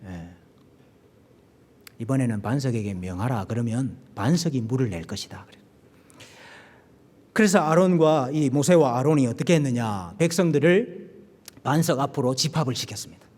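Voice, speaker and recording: A male pastor preaching a sermon in a church, slowing down and swelling his voice when he quotes scripture. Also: mid-range voice, animated, a little mellow. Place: church sanctuary. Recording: long hall reverb.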